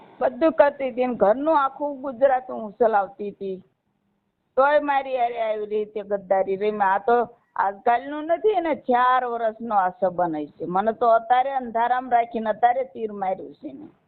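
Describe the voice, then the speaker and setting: A woman speaks at a high pitch with ordinary pitch variation and big swings in loudness. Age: 30s. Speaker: caller with a marital complaint. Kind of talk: phone call complaint. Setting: phone call.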